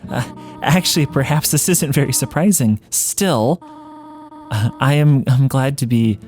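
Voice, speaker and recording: A man voicing a gentle, doting motherly woman monster from a video game, with a hesitant, fussing, tender manner. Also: medium pitch, unhurried, soft background music, close to an everyday voice. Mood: warm, eager. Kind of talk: video game character read-along.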